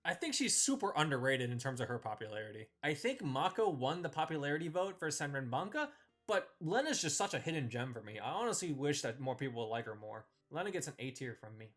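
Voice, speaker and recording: Higher-pitched man giving blunt casual reviews. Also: fairly bright tone. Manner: opinionated, blunt, informal slang. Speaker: host of a visual novel ranking video.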